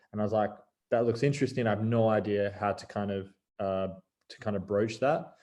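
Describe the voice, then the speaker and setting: A man speaks in a dark, mellow tone. He has an Australian accent. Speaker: illustrator and NFT artist. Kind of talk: interview. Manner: casual, hesitant with fillers.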